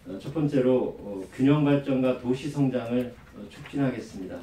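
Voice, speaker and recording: A man with a head cold gives a formal, measured press briefing as a government official, reading out official plans. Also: mid-range voice, dark tone. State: has a lingering cold. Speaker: government official, city bureau director. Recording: roomy distant microphone, faint background noise.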